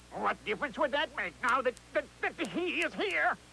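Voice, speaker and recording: A cartoonish character voice with a high pitch speaks at a moderate pace. Clear background noise can be heard. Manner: wary, doubtful.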